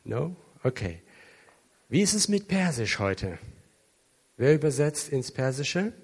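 A man preaching a sermon to a congregation, earnest and emotional, stretching key words slowly for emphasis. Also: medium pitch, sing-song, darkish tone, breathy edge. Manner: emotional, earnest, with some dramatic slow emphasis and rising intensity. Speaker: pastor. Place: church hall with an international congregation.

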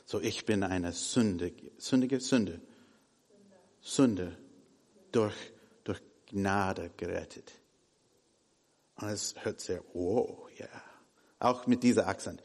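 A man whose first language is English preaching a sermon in German, shifting between hushed and emphatic delivery. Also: fairly low pitch, slow pace, pauses often, big-room sound. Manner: non-native German, swings from hushed to emphatic.

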